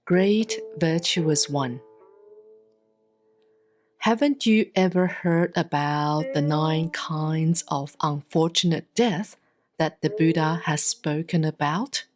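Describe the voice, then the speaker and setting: A woman giving a solemn, scripted reading of scripture in measured, deliberate phrases with frequent pauses. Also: low voice, a little mellow. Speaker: sutra reader, Buddhist nun.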